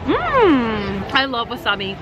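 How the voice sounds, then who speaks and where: A woman giving casual, expressive food reviews and vlog commentary outdoors in a busy theme park. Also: fairly high pitch, takes it slowly. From raised in a Cuban household. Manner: chatty, expressive, rambling descriptions. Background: crowd chatter and music.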